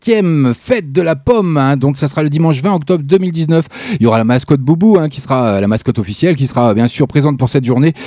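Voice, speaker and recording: A man with a dark, mellow tone speaks at a fairly high pitch. His intonation is lively and his pace fairly quick. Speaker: radio host. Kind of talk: live web-radio DJ patter, upbeat show intros and song back-announcements. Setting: live radio broadcast, studio. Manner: chatty, energetic, improvised, stumbling over words and admitting his slips; fast, jokey, hype-style teasing of the playlist and giveaways.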